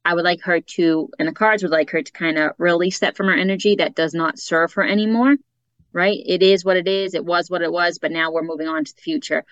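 A woman's voice: fairly low pitch, fairly even intonation, a little fast, dry recording, dull audio. A woman with a Boston accent, a psychic guest chatting casually about her offerings and readings. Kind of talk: casual chat.

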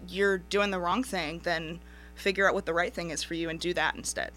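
Young American woman, twenties, lowish voice, lively and emphatic, laughs easily; radio studio guest. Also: fairly quick, rough recording. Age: 20s. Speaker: drummer. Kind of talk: casual radio interview.

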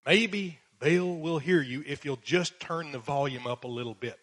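A man teaching the Bible verse by verse, reading passages slowly and then explaining them with dry sarcastic asides. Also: fairly high pitch, fairly bright tone.

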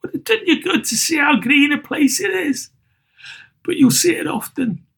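A man voicing a gentle father in an audiobook, choked and breaking with grief. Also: very high voice, expressive, normal speed, vocal fry, voice pushed up, exaggerated voice. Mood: grieving. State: near tears.

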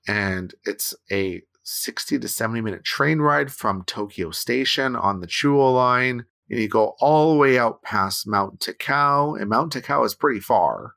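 A man's voice: medium pitch, unhurried, vocal fry, few pauses, sharp tone. A man in his thirties from Canada, co-hosting a casual chat with rambling, restarting sentences and tag questions. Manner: rambling, with frequent restarts and "right?" tags.

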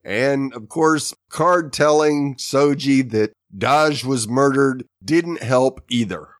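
Easygoing guy cohost, talks slow, dry close sound. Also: mid-range voice, no room sound. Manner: easygoing, agreeable, short replies. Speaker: podcast co-host. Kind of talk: casual chat recapping a TV episode.

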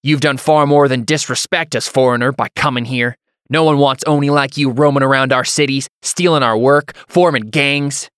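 A man voicing a belligerent, hotheaded young laborer in a fantasy audiobook, mocking and blustering in rough colloquial speech. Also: medium pitch, steady tone, moderate pace, fairly bright tone, no room sound, clean studio sound, voice pushed up, lightly acted. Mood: hostile.

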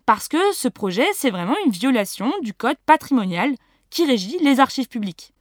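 A woman's voice: on the high side, animated, normal speed, no echo, studio quality. A woman explaining a subject in a casual, conversational way. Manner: casual, with fillers.

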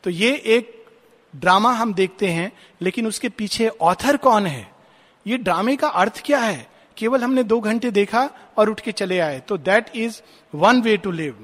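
A man, giving a reflective spiritual discourse and slowly reading English verse aloud. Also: high-pitched, lively intonation, fairly bright tone. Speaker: spiritual speaker. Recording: long hall reverb.

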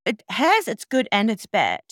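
A woman's voice: mid-range voice, wildly swooping pitch, measured pace, fairly bright tone, no room sound, clean studio sound. A middle-aged woman with a South African accent, a native Afrikaans speaker, chatting reflectively as an interview guest. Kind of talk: casual interview conversation.

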